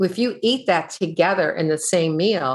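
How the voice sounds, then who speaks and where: Against a quiet background, a woman with an American accent talks in a fairly low pitch. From US Midwest. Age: 60s. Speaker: wellness coach and doctor. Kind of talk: interview conversation. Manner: animated.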